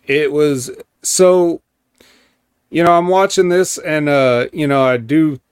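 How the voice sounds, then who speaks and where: A man hosting a casual podcast, recapping wrestling at an unhurried pace. He rambles and drops sarcastic asides, with plenty of ums. His voice is close and dry, with no room sound around it. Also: a little high, clear, resonant tone, no room sound. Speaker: podcast host.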